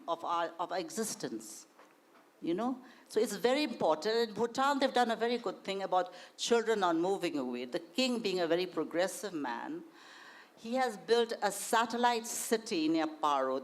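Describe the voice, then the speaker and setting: A woman with a posh, educated Indian accent, speaking earnestly and a little haltingly as she shares anecdotes and opinions at a panel discussion. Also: medium pitch.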